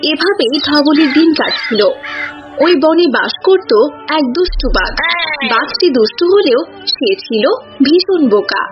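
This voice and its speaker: A woman with a very high voice narrates a cartoon story. Her delivery is scripted, in storybook style. Music runs underneath, and the recording sounds slightly muffled. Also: expressive, unhurried. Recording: muffled audio with music bed.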